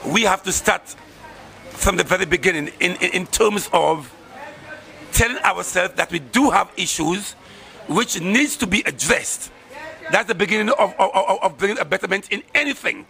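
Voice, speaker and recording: Older Saint Lucian man, very gravelly and bright, measured with repeats, outdoor handheld mic. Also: sits high, animated. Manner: measured, repeats words as he builds a point. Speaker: street interviewee. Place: outdoor town street.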